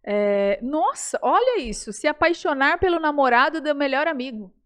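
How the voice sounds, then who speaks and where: A Brazilian woman speaking as a guest in a casual podcast interview, animated and playful, often addressing the audience directly. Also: sits high, moderate pace. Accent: Brazilian Portuguese.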